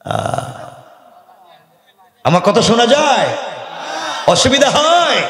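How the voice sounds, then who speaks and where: A male preacher, giving a loud rhetorical sermon into a microphone and prompting the crowd to respond. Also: extremely high pitch, big pitch swings, slow. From Bangladesh. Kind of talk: sermon at a religious gathering. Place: large religious gathering. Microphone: microphone over PA. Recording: echoey hall, long reverb, PA.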